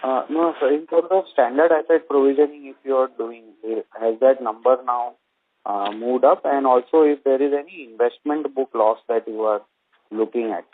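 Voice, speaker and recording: A man's voice: mid-range voice, fairly even intonation, normal speed, dry recording. A man speaking as a financial analyst, politely asking questions on an earnings call. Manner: polite, deferential. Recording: narrow, muffled phone line.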